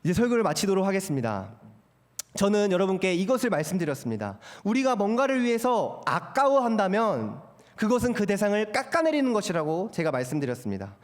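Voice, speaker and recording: A young male preacher with a strikingly high voice delivers an earnest sermon, his pitch rising and falling with lively emphasis. He keeps turning to the congregation with rhetorical questions. The long reverb of a church hall hangs behind every phrase. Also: a little fast. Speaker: assistant pastor preaching. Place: church sanctuary at a Friday prayer service.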